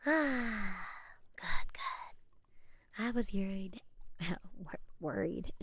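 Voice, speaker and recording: A woman voicing a gentle, slightly scatterbrained witch healer in an ASMR roleplay, whispering softly and reassuringly. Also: mid-range voice, expressive, very slow, breathy edge, no room sound, full character voice. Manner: soft, reassuring whisper with small giggles.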